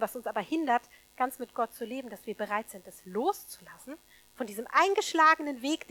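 A woman preaching a sermon to a congregation, emphatic, swinging between loud stresses and hushed asides, with rhetorical questions to the listeners. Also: a little high, poor audio.

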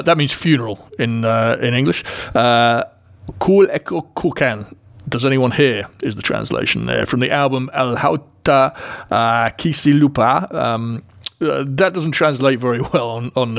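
A man's voice: mid-range voice, gravelly. A man hosting a metal music show, announcing tracks in a chatty way with dry asides.

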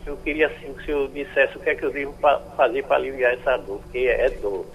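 A man's voice: mid-range voice, fairly even intonation, fast talker, gravelly, a bit bright, rough recording. A man, calling in hesitantly to ask a doctor about pain. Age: 50s. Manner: hesitant, plain-spoken. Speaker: caller.

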